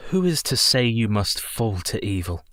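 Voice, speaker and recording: An actor playing an earnest, tender young husband in a radio play. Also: male voice, lowish voice, big pitch swings, normal speed, sharp tone, no room sound, studio quality. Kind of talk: community radio play acting.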